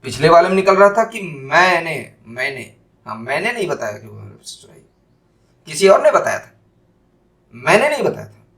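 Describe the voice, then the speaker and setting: A man giving a spoken lesson on communication, stressing single words and drawing out example sentences slowly. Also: on the high side, sing-song, a bit bright. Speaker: teacher.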